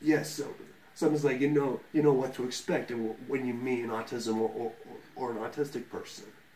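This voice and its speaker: A man's voice with fairly even intonation and audible room echo. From Colorado Springs, USA. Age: young. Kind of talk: interview answer. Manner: hesitant, many fillers. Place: home room. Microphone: camera far.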